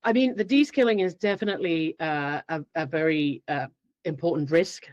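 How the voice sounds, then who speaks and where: A woman's voice: deep voice, normal speed, darkish tone, no room sound. Woman, podcast guest, acts out her own thoughts, dry muffled sound. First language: Finnish. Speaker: guest expert. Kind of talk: podcast interview.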